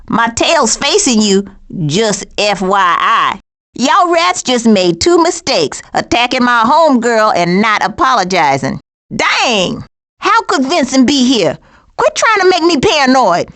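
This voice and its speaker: Casting: tough, mouthy female game critter. Blunt, sarcastic, high-pitched, very animated delivery. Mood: indignant, defiant. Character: sassy, streetwise, tough-talking female cartoon animal. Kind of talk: animated video game voice acting.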